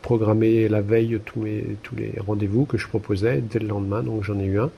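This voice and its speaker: A man's voice: fairly low pitch, little pitch movement, a little fast, creaky, warm tone, slight background noise. A man co-hosting a podcast in casual chat, talking hesitantly with many fillers and restarts. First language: French. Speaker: podcast co-host.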